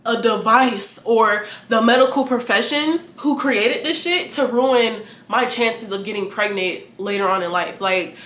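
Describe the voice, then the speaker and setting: Young woman in her 20s, vlogger, bright voice, animated and frank, echoey room. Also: a little high, unhurried, hardly any pauses. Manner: animated, candid, laughing, profane. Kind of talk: casual chat to camera.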